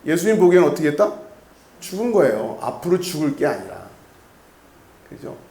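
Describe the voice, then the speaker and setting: With a fairly high, sing-song voice and a warm tone, a male pastor moves briskly through an expository sermon in a reverberant church sanctuary. He is conversational, frequently questions the congregation, and repeats key words.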